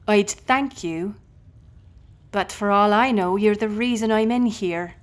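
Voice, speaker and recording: Woman playing a slow-spoken, sardonic lady sea captain. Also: medium pitch, close to an everyday voice. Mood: sardonic, indignant. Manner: sarcastic, wordy, biting. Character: defiant, sardonic, foul-mouthed female ship captain held prisoner. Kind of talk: audio roleplay acting.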